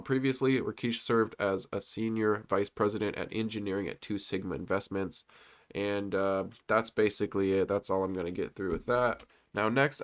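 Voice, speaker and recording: A young man with a low, stuffy voice, congested from a cold, walks through investment slides in a loose, rambling way. He talks casually, full of fillers and false starts, and sounds like a regular on his own channel. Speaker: stock commentary YouTuber. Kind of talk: casual commentary over on-screen slides.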